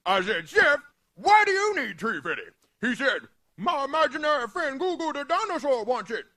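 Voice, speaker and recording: A cranky old cartoon father rambling through his tall tales. The voice sits very high and sharp, bouncing wildly up and down. It is recorded close and dry. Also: sing-song, moderate pace, creaky, no room sound, heavily acted. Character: folksy older cartoon dad, cranky storyteller. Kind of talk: animated cartoon voice acting.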